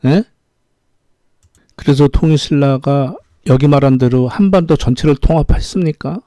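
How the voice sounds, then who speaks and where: A man's voice: on the high side, moderate pace, mellow, no echo. Indignant man firing rhetorical questions. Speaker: political commentator. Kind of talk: opinionated political monologue.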